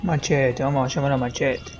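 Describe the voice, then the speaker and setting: Streaming a casual roleplay game, a young man with a Rioplatense Spanish accent jokes around brashly and swears a lot. His voice is medium in pitch with fairly even intonation and a moderate pace. The audio is dull and very noisy.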